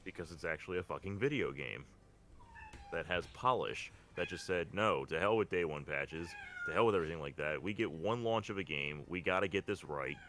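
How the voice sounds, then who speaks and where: A man with a very deep voice and a forceful, bright edge. He talks casually about games as a podcast co-host, blunt and quick to swear. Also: slight background noise. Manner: blunt, sweary, animated phrasing. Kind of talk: casual video game discussion.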